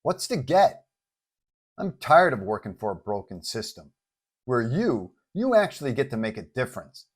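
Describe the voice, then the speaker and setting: Female police chief, read by a man: pragmatic, forceful, persuasive girlfriend in a superhero tale, slightly raised pitch. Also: big pitch swings, moderate pace. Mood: exasperated. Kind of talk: superhero story character voice.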